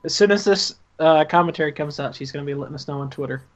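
A man's voice: a little high, fast talker, slight background noise. A man with a Southern US accent chatting casually about making his film, laughing easily and often restarting words. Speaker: writer and director. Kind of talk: casual commentary chat. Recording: dull lo-fi sound.

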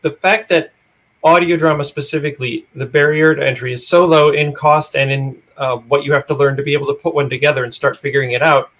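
Female podcast guest, low-register voice, earnest, explanatory, conversational delivery. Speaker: podcast guest, audio drama creator. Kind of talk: casual conversation.

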